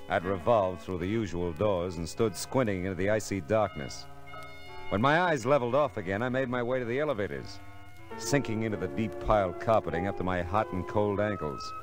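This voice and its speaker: A man's voice: lowish voice, lightly acted. An actor playing a weary, sardonic private detective in a vintage radio drama, with wry, clipped tough-guy delivery. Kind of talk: 1940s-50s radio detective drama acting, first-person narration. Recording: vintage radio recording with music.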